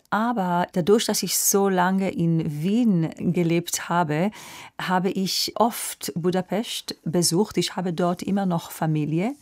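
Israeli-accented woman, soprano guest, unhurried and careful, fairly low voice. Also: darkish tone. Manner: slow, thoughtful, searching for words in a second language. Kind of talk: radio interview.

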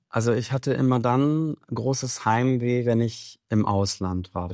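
A man with a very deep voice talks as a musician guest in a radio studio. He speaks in a measured, reflective way and often opens with "also". The sound is dry and close. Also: a little mellow, no room sound. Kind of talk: radio interview.

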